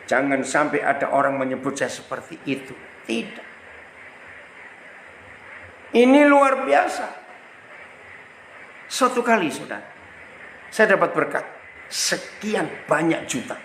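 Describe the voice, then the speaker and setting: A man from Indonesia, a pastor preaching a storytelling sermon, animated and exclamatory as he speaks straight to the congregation. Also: on the high side, slow pace, pauses often. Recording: echoey hall with faint background noise.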